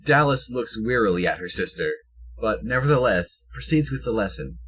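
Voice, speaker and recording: A man with a husky voice reading scripted narration for an audio drama. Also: lowish voice, expressive, moderate pace, a bit bright.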